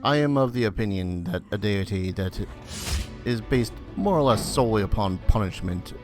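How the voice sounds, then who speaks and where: Low-voiced man musing through a game. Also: expressive, moderate pace, music in the background. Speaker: gaming video host. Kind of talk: casual let's play commentary.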